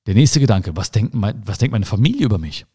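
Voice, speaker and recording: A man in his thirties, raised in Germany, hosting a motivational podcast in an earnest, emphatic way, his pitch rising sharply on key phrases. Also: big pitch swings, quick pace, mellow, husky. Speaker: podcast host. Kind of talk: motivational talk.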